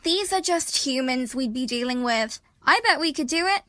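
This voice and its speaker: A woman's voice: high voice, expressive, moderate pace, sharp tone, no room sound. A woman playing an earnest, determined young woman in an audio drama, speaking plainly.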